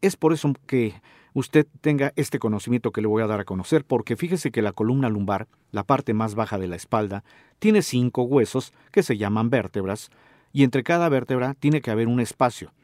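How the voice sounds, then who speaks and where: A middle-aged man with a Mexican accent hosting a health talk show as a doctor, explaining calmly and asking the listener questions. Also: mid-range voice, moderate pace, no echo, clean studio sound. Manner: didactic, addresses listener directly with questions. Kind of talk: informative radio talk.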